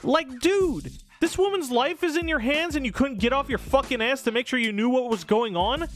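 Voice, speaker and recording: A man's voice: very high-pitched, moderate pace, a bit bright, slight background noise. A man giving a casual, scripted game review in an irreverent, informal, sweary way. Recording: music behind the voice. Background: background music.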